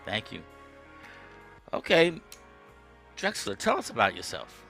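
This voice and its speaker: A man hosting a podcast, chatting casually with his guest in a relaxed, conversational way from his own studio setup. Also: lowish voice, measured pace, creaky, faint music behind. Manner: relaxed, conversational, with frequent "um" and "okay". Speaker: podcast host. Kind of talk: casual interview chat. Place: home music studio.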